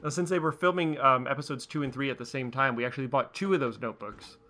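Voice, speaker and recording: Bright-voiced man giving casual commentary. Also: mid-range voice, quick pace, soft background music. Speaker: writer-producer giving commentary.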